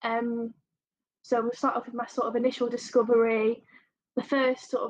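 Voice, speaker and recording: Delivered at a fairly quick pace in an English accent, the speech has a monotone, flat intonation. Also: woman. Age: 20s. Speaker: software developer apprentice. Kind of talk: presentation.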